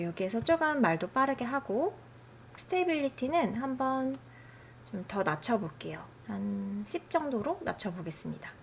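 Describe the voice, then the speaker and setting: A woman hosting a software tutorial, explaining settings in a friendly, chatty way. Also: a little high, a little hiss or hum. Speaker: tutorial host.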